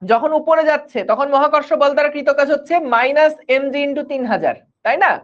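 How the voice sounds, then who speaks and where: Chatty tutor, dull audio. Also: male voice, very high-pitched, brisk. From Bangladesh. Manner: conversational, keeps checking students follow. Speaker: physics tutor. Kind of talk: online class lecture.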